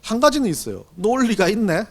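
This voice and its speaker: Male pastor, middle-aged, sermon in a church, fairly high pitch, loud-soft swings. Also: fairly quick. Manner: animated preaching with swings between loud and soft. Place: church sanctuary.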